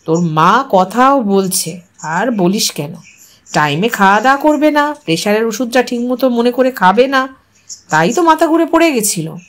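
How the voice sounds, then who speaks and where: A woman's voice: fairly high pitch, lively intonation, normal speed, natural voice. A woman voicing an anxious, chatty elderly village father in an audio story, reassuring and fondly scolding. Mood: reassuring, fussing. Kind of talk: Bengali audio story character dialogue.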